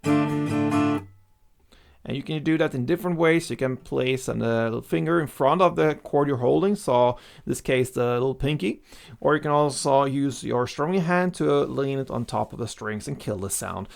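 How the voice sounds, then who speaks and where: A man's voice: medium pitch, moderate pace, gravelly. A man giving casual, step-by-step guitar instruction, counting out strumming strokes as he goes, with acoustic guitar behind him. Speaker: guitar teacher. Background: acoustic guitar playing.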